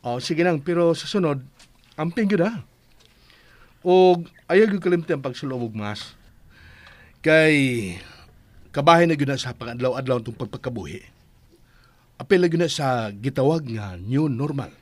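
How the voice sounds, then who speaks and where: An actor playing an easygoing, kindly parish priest in a radio drama comedy, with a Bisaya accent. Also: male voice, medium pitch, moderate pace, pauses often, no room sound, lightly acted. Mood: gently admonishing. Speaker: priest character.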